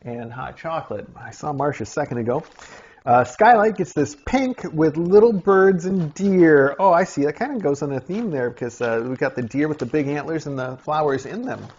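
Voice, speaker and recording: A man casually narrating as he unpacks mail for a litter of kittens, chatting along and now and then cooing at them in a higher voice. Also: lively intonation, moderate pace, a little mellow, husky. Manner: chatty, talks to kittens in a high coaxing voice. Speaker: channel host opening mail. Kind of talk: casual narration while unboxing. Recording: slightly dull lo-fi sound, faint noise.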